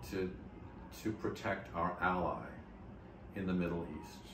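A man is talking, and music can be heard in the background. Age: 60s. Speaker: cellist and climate activist. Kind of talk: interview answer. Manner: hesitant, many fillers. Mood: earnest, concerned. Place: home room.

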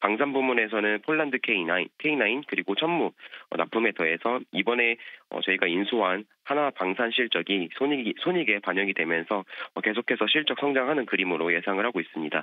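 At a moderate pace, a man with a fairly low pitch speaks with lively intonation and very even loudness. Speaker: securities analyst. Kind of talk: phone interview on stock analysis. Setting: phone call. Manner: halting, many fillers.

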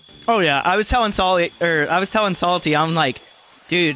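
A man with a high-pitched voice and ordinary pitch variation speaks in a dry, echo-free sound over faint background music. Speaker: gaming video co-host. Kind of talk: casual gaming commentary. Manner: fast talker. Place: home room.

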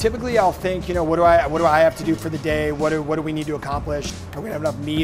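Clear music plays in the background. The pace is very fast. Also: man. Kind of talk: interview answer. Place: kitchen.

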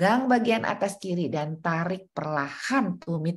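Somewhat breathy, a woman talks at a fairly slow pace. Her intonation is lively. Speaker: sports medicine doctor. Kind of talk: webinar lecture. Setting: video call.

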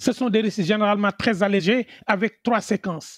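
Over a quiet background, a man with a high-pitched voice speaks at a moderate pace, and the sound is dry with no echo. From Senegal. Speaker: griot, writer and playwright. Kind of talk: interview answer. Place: home room. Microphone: headset.

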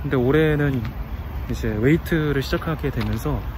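A man speaks at a moderate pace. The sound is dry with no echo, and background noise is noticeable. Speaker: broadcast announcer. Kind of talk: casual vlog talk to camera. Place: open country. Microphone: phone near.

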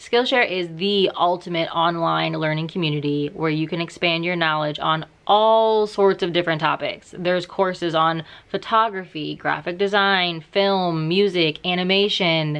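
This woman has a normal speaking voice, fairly low in pitch, with fairly even intonation. She talks at a moderate pace with hardly any pauses. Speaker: video creator vlogger. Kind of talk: casual vlog chat.

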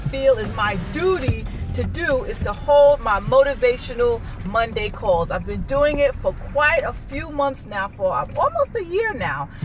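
Clear music plays behind a woman who speaks at a fairly slow pace, the sound dry with no echo. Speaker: business coach. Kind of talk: motivational talk. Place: car. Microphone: phone near.

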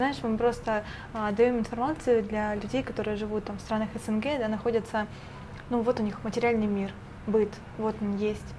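Over light background noise, a woman with a fairly high pitch talks at a moderate pace in a flat monotone, leaving long, frequent pauses. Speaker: interviewer. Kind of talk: interview. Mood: calm, curious. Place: home room.

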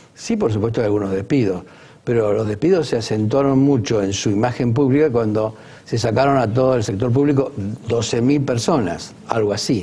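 Talking at a moderate pace, a man with a Rioplatense accent uses a medium pitch. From Argentina. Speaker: economist; guest. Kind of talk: economic analysis interview. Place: studio.

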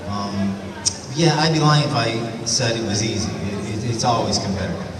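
Through audible room echo and noticeable background noise, a man with an American accent talks at a moderate pace. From United States. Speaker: voice actor. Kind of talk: convention panel Q&A answer. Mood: reflective, light humor. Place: hall.

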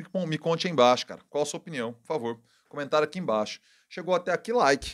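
A man at a fairly high pitch, very fast pace and very wide pitch swings, against a quiet background. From Brazil. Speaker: political commentator youtuber. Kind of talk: video commentary. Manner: animated, informal. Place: home room. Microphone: studio mic.

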